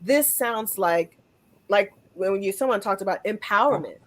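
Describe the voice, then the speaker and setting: A woman's voice: medium pitch, expressive, moderate pace, fairly bright tone. A woman hosting a conversational interview podcast, speaking reflectively and building her thoughts step by step. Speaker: podcast host.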